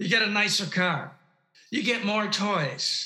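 Speaking in a raised, projected voice with a bright, sharp tone, a man with an American accent is heard amid audible room echo. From US Midwest, Detroit, Michigan. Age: old. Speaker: personal finance coach. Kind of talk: interview.

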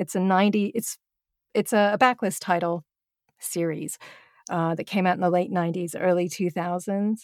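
Using an American accent, a woman speaks at a moderate pace and medium pitch with fairly even intonation and long, frequent pauses, in a dry, close sound with no echo. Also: very clean recording, silent background. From England. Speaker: audiobook narrator and voice actor. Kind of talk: casual interview.

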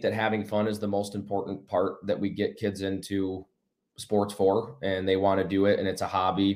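A man with an American accent uses an ordinary speaking voice at a fairly low pitch and a moderate pace. The recording is very clean with a silent background. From Michigan, Battle Creek. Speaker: hockey advisor, former pro hockey player. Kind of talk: casual interview chat.

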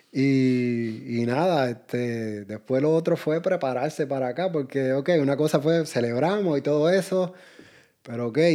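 The speech comes at a fairly slow pace in a dark, mellow tone. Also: man, fairly high pitch for a man, ordinary pitch variation. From Puerto Rico, west coast (Aguada). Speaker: teacher. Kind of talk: interview.

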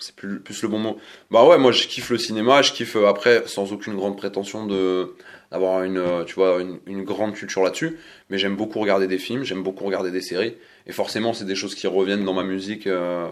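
Speaking at a fairly quick pace, a man uses an ordinary speaking voice. His pitch sits fairly low, and his intonation stays fairly even. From southern France, Marseille. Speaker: rapper. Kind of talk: casual interview.

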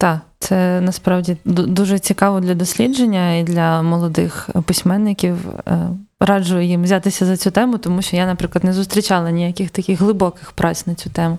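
A woman's medium-pitched voice with a dark, mellow tone, monotone, flat intonation, and a moderate pace. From Ukraine, Kyiv region. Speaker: podcast host. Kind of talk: casual interview. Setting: cafe.

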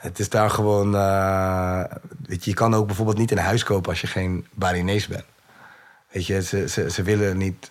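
A man speaks at a moderate pace with a fairly low pitch. His intonation stays monotone and flat. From Netherlands. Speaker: performer. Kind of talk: casual chat.

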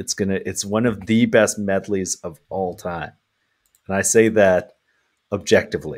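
At a moderate pace, a man speaks with fairly even intonation in a plain, everyday voice. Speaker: podcast co-host. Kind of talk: casual chat.

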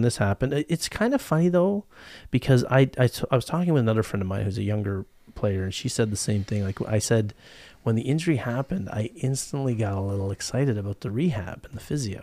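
On a very clean recording with a silent background, a man with an unremarkable speaking voice talks at a medium pitch with lively intonation. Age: 40s. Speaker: volleyball podcast host, former pro player. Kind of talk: casual chat.

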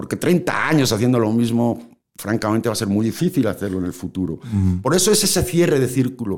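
At a fairly quick pace, a man with a medium-pitched voice speaks with very wide swings in pitch. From Spain, Madrid. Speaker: business consultant. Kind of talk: interview.

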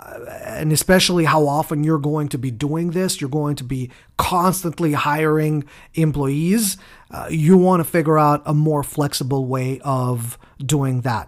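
A man speaks at a fairly slow pace in an unremarkable speaking voice. His pitch sits fairly high. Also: fairly even intonation. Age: 40s. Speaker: coffee shop owner and podcast host. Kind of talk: solo podcast monologue. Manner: casual, many filler words.

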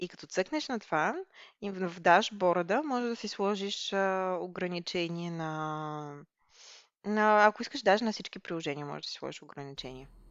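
Using a plain, everyday voice, a woman speaks at a medium pitch and moderate pace with big swings in loudness. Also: lively intonation. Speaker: podcast co-host. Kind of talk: casual chat.

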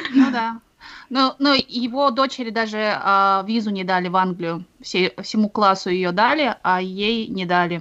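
A woman's bright, sharp voice at a medium pitch, with ordinary pitch variation and a fairly slow pace. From East Kazakhstan, Ust-Kamenogorsk area. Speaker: event organizer. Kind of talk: casual chat.

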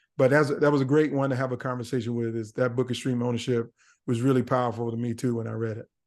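Speaking at a very fast pace, a man with an American accent and medium pitch is heard over a quiet background. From Virginia Beach, Virginia. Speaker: keynote speaker and leadership consultant. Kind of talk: interview. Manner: animated.

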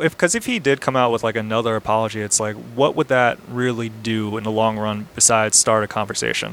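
Speaking at a very fast pace with hardly any pauses, a man with an American accent has a medium pitch. His intonation is fairly even. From New York, the Bronx. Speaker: podcast co-host. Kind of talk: casual chat. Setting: home attic recording.

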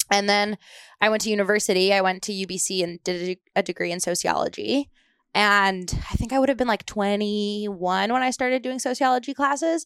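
A woman with a Canadian accent speaks at a fairly quick pace in a normal speaking voice, her medium pitch showing ordinary variation, on a very clean recording with a silent background and a dry, close sound with no echo. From Vancouver, Canada. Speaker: diversity and inclusion advocate. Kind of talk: casual chat. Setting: outdoors under a rain shelter.

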